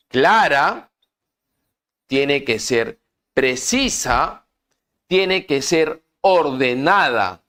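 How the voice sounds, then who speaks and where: A man teaching a law workshop, speaking deliberately, stressing key words and putting questions to his students. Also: sits high, a bit bright. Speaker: law instructor. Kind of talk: lecture to students.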